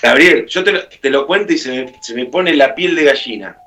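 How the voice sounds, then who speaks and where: Sitting far from the mic, a guest musician with a Rioplatense Spanish accent tells a heartfelt story in an interview, acting out the quoted dialogue. His medium-pitched voice is bright and forceful, and he speaks at normal speed.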